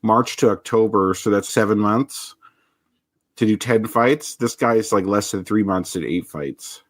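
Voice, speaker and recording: A man co-hosting a film podcast, giving relaxed, opinionated comments on a movie. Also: fairly low pitch, a little slow, no room sound. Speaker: podcast co-host. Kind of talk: casual film commentary chat.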